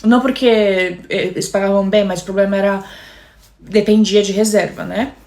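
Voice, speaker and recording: A woman's voice: medium pitch, fairly even intonation, moderate pace, a little mellow. A young Brazilian woman with a Brazilian Portuguese accent, telling her own story to an audience in an emotional way and often speaking straight to the listeners. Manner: emotional, keeps addressing listeners directly.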